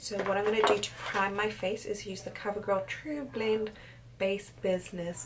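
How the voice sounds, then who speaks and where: A woman is whispering. Noticeable background noise runs behind her. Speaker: beauty vlogger. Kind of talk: tutorial.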